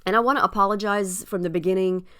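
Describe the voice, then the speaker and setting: A woman's voice: medium pitch, fairly even intonation, fast, a bit bright, clear, resonant tone. A woman hosting a casual crafting tutorial, chatty and friendly with frequent ums, her voice a little scratchy after being ill. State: slightly scratchy voice after illness. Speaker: scrapbooking video host.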